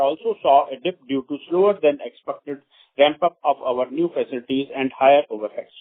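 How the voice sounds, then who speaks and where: A man with an Indian accent formally reads prepared company remarks on a conference call, stumbling now and then. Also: fairly high pitch. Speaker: company executive. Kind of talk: scripted earnings call presentation. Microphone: phone conference call. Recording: narrow, tinny phone conference line.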